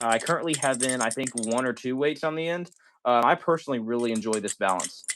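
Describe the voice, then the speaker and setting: A man with an American accent in a plain, everyday voice, medium in pitch, ordinary in pitch variation, at a moderate pace. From US South, Ozarks. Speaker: balisong streamer. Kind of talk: casual live stream chat.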